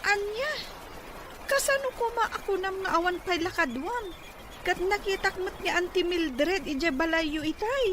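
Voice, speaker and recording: A woman's voice: very high voice, lively intonation, a little slow. A woman playing a young female cousin and dutiful granddaughter in an Ilocano audio drama. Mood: questioning. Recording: noisy amateur recording.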